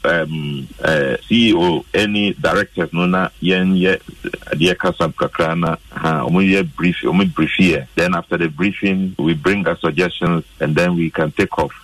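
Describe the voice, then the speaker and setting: A Ghanaian lawmaker pressing pointed questions about a contract. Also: male voice, deep voice, steady tone, normal speed, a bit bright, dry recording, recorded from a distance, low-quality recording. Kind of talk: questioning remarks.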